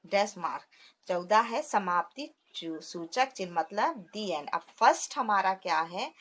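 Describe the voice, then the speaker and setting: A woman's voice: medium pitch, a bit bright. A woman teacher explaining a grammar lesson step by step, asking questions and answering them herself, slipping words into her speech.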